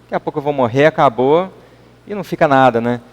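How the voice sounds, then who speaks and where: A man with a Brazilian accent gives an informal talk to a gathering at a spiritist center. His voice is middle-pitched and carries a long reverb from the meeting hall. He speaks conversationally and often checks in with a questioning tag. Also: animated, quick pace, lo-fi sound. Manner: conversational, keeps adding questioning tags.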